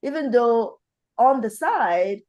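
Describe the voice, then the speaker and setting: A woman's voice: on the high side, animated, slow pace, a little mellow. A woman co-hosting a casual spiritual podcast, talking animatedly and laughing often. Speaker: podcast co-host, healer. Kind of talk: casual conversation.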